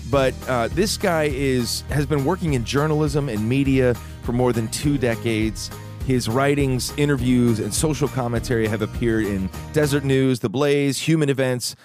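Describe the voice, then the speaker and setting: A man with a hoarse voice hosting his podcast, upbeat and joking in casual chat. He grew up in Chicago. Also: mid-range voice, darkish tone. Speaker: podcast host. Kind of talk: casual podcast monologue and interview. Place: home studio.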